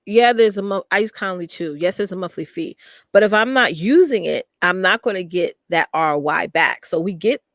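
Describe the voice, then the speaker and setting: A woman's voice: mid-range voice, no room sound, studio quality. A woman co-hosting a live stream, chatting in an emphatic, friendly way. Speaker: co-host of a live stream show. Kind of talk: casual live stream chat.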